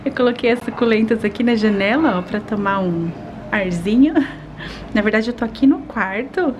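A woman's voice: fairly high pitch, moderate pace, a little hiss or hum. A young Brazilian woman vlogging chores at home, speaking in a chatty, upbeat way straight to her viewers and recorded on a handheld camera mic. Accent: Brazilian Portuguese. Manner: chatty and upbeat, often addressing viewers directly. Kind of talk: casual home vlog, showing chores. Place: small apartment bedroom and bathroom indoors. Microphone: handheld wide-angle camera mic.

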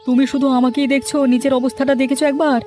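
A man voicing a whining, self-pitying cartoon schemer who has been brought low. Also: level tone, very fast, darkish tone. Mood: sorry, bitter. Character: whining, town-educated male schemer, later regretful beggar.

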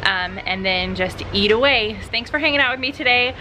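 A woman's voice: fairly high pitch, normal speed, bright, forceful tone, a little hiss or hum, low-quality recording. A woman in her thirties chatting casually to her viewers while filming a cooking vlog on an outdoor deck. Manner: chatty, addresses viewers as "you guys". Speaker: vlogger.

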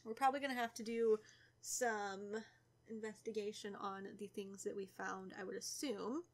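A young woman with a cold, stuffy and a little raspy, chatting casually through a let's play and teasing the characters. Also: mid-range voice, steady tone, normal speed. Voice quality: slightly raspy. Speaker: gaming YouTuber.

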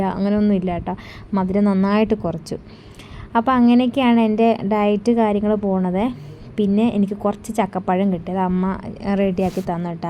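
A woman's voice: mid-range voice, warm tone, slight background noise. A woman vlogger and mother chatting casually through her day, homely, often ending sentences with a friendly tag. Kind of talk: casual daily vlog narration.

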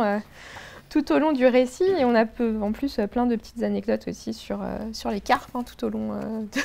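A woman's voice: on the high side, creaky, darkish tone. Woman moderator asking questions. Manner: hesitant, laughs between questions. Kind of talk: moderating an author talk. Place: bookshop reading event, indoors.

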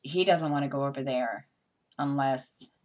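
A woman's voice: extremely low pitch, unhurried, a little mellow. A middle-aged woman chatting casually at home while she stitches, rambling with plenty of fillers and restarts. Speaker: stitching vlogger. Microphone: camera mic.

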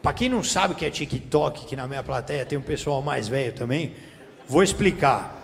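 A man's voice: on the high side, lively intonation, moderate pace, creaky. A man from Brazil doing a stand-up comedy set on a theater stage with a handheld mic, teasing the crowd in profane slang. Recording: reverberant theater, faint room noise. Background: audience laughter.

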